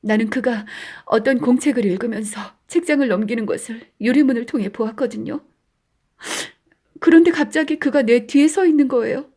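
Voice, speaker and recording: A woman performs as a distraught wife in an audiobook drama. Her voice is high and full of dread. She speaks haltingly, pleading and anguished, as if confiding a terrible fear. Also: mellow. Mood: fearful.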